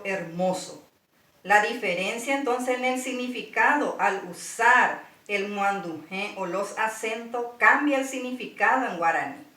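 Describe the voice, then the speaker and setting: A woman with a Paraguayan Spanish accent, giving a slow, patient language lesson and spelling out sounds one by one. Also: fairly high pitch, fairly bright tone, roomy sound, far from the mic. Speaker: language teacher.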